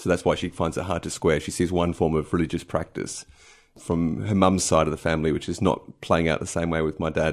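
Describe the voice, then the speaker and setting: On a very clean recording with a silent background, a man with an Australian accent and a very deep, low pitch speaks at a fairly quick pace with fairly even intonation. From Australia (Adelaide). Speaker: composer. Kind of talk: casual interview. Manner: fast talker.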